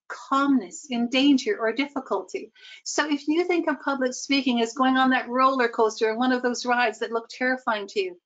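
A woman's voice: on the high side, highs cut off. A woman giving a talk on public speaking to a group, engaging and often putting questions to her listeners. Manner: engaging, asks the audience questions. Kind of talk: presentation to a group.

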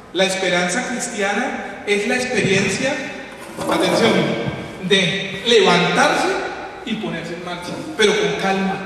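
High-voiced preaching priest in an echoey hall. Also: male voice, distant mic, a little hiss or hum. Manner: animated preaching, shouting at the climaxes and then dropping low. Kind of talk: sermon.

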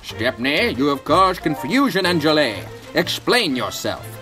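A man voicing a stern, brisk railway official giving orders in a children's storybook. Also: a little high, sing-song, pushed and bright, faint music behind, pitched above the performer's own voice, heavily acted. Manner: commanding.

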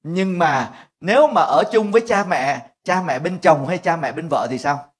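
High-voiced older pastor. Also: male voice, moderate pace. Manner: lively storytelling, acting out family quarrels in voices. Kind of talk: sermon.

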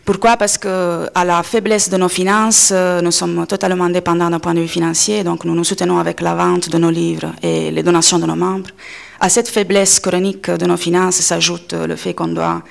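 A woman in her thirties with an Italian accent, a native Italian speaker, giving a semi-improvised conference talk with hesitant pauses and self-corrections. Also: on the low side, gravelly. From Italy. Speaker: coordinator of a media organisation, panel speaker. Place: indoor conference panel table. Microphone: gooseneck table microphone, close.

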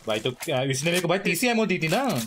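A man streaming a shooter game, firing off quick repeated callouts to his squad over a headset mic. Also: fairly high pitch, big pitch swings, fairly bright tone, a little hiss or hum. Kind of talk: casual gaming voice chat.

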